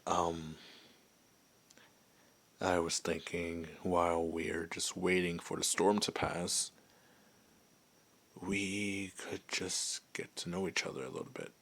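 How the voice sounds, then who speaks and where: Male performer as friendly werewolf ex-adventurer for ASMR audio roleplay; deep register, slow delivery, softly amused, conversational. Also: vocal fry, exaggerated voice. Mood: relaxed, friendly. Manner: hesitant, unhurried, softly amused.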